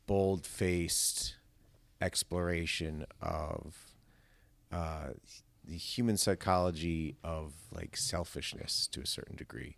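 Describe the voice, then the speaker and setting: An American man talks casually as a podcast guest in a low-pitched voice. His delivery is wry and self-deprecating. The recording is dry and free of room sound. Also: fairly even intonation, takes it slowly, gravelly, a bit bright, dry recording. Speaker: podcast guest, amateur actor. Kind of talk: casual chat.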